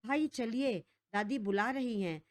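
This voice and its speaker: A woman's voice: fairly high pitch, measured pace, dry recording, studio quality, lightly acted. A woman voicing a sweet young bride. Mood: affectionate.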